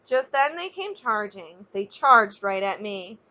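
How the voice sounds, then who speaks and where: A woman teacher reading a children's picture book aloud expressively, stepping out of the story to chat with young listeners. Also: medium pitch. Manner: expressive, pausing to ask young listeners questions and explain.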